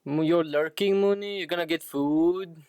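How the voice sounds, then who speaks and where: A man's voice: fairly high pitch, normal speed, darkish tone, smooth, dry recording, clean studio sound. A man chatting casually and a little hesitantly to viewers while live streaming a game.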